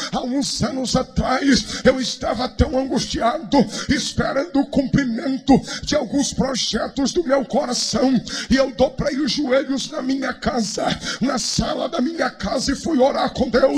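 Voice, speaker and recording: A man with a Brazilian Portuguese accent preaching a sermon as pastor, often shouting with a sung, lilting delivery. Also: very high-pitched.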